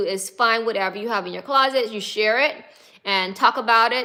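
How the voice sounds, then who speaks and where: At a moderate pace, a woman with a fairly high pitch speaks in a bright, sharp tone with ordinary pitch variation. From Caribbean islands. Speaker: content creator. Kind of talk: livestream advice talk. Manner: casual, conversational with hesitations.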